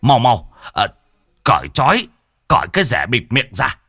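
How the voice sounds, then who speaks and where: A man's voice: mid-range voice, wildly swooping pitch, moderate pace, bright, forceful tone, no room sound, clean studio sound, pitched above the performer's own voice, heavily acted. A man voicing a stern village headman who gives angry, commanding orders.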